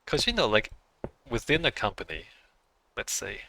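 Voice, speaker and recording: A man's voice: mid-range voice, very animated, normal speed, gravelly, bright, forceful tone, a little hiss or hum, low-quality recording. A man who is not a native English speaker, chatting casually on a game livestream, thinking aloud and musing with small laughs.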